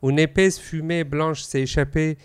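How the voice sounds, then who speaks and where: Smooth-voiced young man reading news. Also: a little high, steady tone, measured pace. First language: Arabic. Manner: reads with hesitations and fillers. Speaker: news segment presenter. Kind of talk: reading a news item on air.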